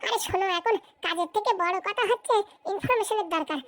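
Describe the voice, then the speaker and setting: A woman's voice: extremely high pitch, quick pace, a bit bright, dry recording. A woman voicing a bossy, foul-tempered, scheming village woman in a comic cartoon, scolding and threatening in a rural Bengali dialect. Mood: scheming, boastful.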